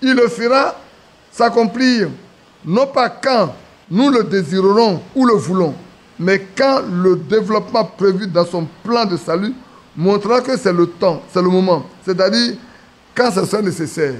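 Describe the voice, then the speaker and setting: Male preacher, high-pitched, sermon storyteller. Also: lively intonation, a little slow. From Ivory Coast. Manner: storytelling with acted quotes, restarts.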